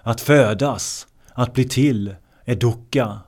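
Man giving a measured meditation discourse. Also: mid-range voice, darkish tone. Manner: measured, repeats key words. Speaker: meditation teacher.

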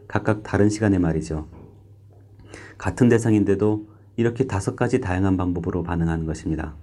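A man giving a meditation dharma talk, explaining in a measured, patient way through told examples. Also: low-pitched, mellow. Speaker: meditation teacher.

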